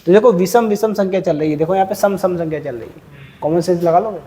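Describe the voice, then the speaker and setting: A man's voice: sits high, quick pace, warm tone. A man teaching a classroom lecture, quizzing students and drilling numbers through repetition.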